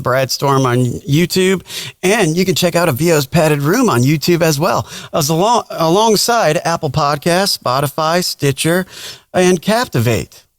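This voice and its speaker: A man with a fairly high voice hosts a casual podcast conversation. He talks informally and encouragingly, in an animated ramble. The sound is dry, with hardly any room in it. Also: no room sound. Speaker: podcast host. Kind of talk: casual chat.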